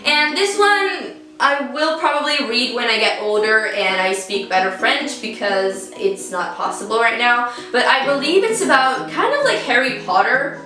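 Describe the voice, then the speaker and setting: A teenage girl with an Italian accent chats bubbly to her viewers, her voice high and bright. She sits away from the mic in a very echoey room, with faint music underneath. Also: expressive, normal speed, hardly any pauses, recorded from a distance. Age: teens. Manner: chatty, bubbly, addresses viewers directly. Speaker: book vlogger. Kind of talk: casual book haul chat.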